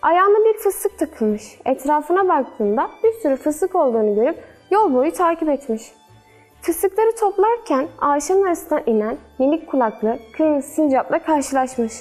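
Woman storyteller, children's fairy tale, gentle and measured, high voice, soft music behind. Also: lively intonation.

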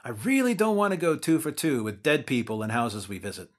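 A man's voice: mid-range voice, very animated, a little fast, heavy background noise, close to an everyday voice. An actor playing a weary young man who keeps his two bumbling companions in line, with an exasperated straight-man delivery. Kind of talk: audio drama acting.

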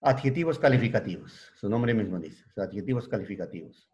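A man teaching a secondary school language class, explaining slowly, restarting words and checking understanding with frequent short questions. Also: fairly low pitch, animated, a little mellow, highs cut off. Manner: spells out word forms slowly, restarts words. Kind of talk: classroom lecture.

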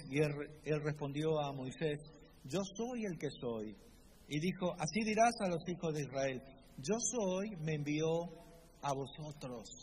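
A man's voice: fairly high pitch, a little hiss or hum. A man from preaching a sermon, emphatic and repeating key phrases as he quotes scripture with feeling. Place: church. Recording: reverberant church hall with faint ambience.

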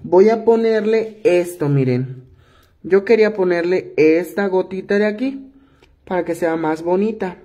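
A man teaching a jewelry-making tutorial, hoarse from a cough, explaining each step patiently and repeating himself as he works. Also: high-pitched, unhurried, warm tone. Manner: patient, repetitive step-by-step instructing. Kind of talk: hands-on craft tutorial.

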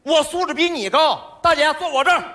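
A man's voice: very high-pitched, lively intonation, fairly quick, bright, forceful tone. A man acting in a stage comedy sketch, bickering and competitive.

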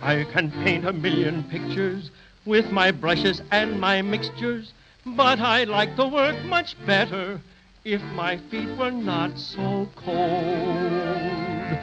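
A man's voice: high voice, takes it slowly. A man singing as a boastful, shivering winter spirit in a theatrical comic 1930s radio style. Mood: boastful, chilly. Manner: sing-song, theatrical. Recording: muffled 1930s radio recording. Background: loud music.

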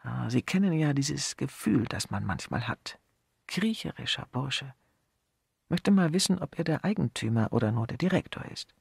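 A shrewd, jovial old chief inspector, as a male audiobook reader puts him on, genial on the surface and evasive underneath. His voice is gravelly and husky, heard dry and close. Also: medium pitch, expressive, moderate pace, dry recording, heavily acted. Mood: thoughtful.

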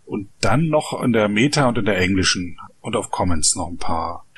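A man's voice: lowish voice, expressive, moderate pace, a bit bright, a little hiss or hum. A man hosting a podcast interview, friendly and direct with his questions. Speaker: podcast host. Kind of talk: casual interview. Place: Berlin.

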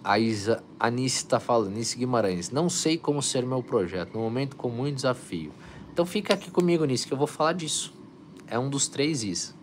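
A man's voice: mid-range voice, expressive, a little fast, a little hiss or hum. A man hosting a motivational live stream, urging viewers on with energy and reading out their comments. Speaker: live stream host, coach.

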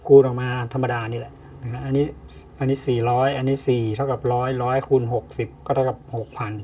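A man teaching an engineering problem step by step, pausing often with fillers as he explains. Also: mid-range voice, warm tone. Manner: slow, explains with many pauses and fillers. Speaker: engineering tutor. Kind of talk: step-by-step lecture. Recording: distant, dull lo-fi mic.

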